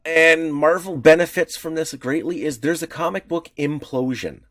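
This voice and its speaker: A man's voice: a little high, normal speed, fairly bright tone, dry recording, clean studio sound. A man co-hosting a podcast, explaining comics history in a rambling, enthusiastic way with many restarts. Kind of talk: casual podcast chat.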